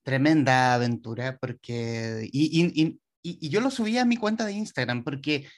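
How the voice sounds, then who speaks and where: Enthusiastic podcast interviewer. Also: male voice, medium pitch, normal speed. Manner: enthusiastic, animated, hums tunes. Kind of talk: interview conversation.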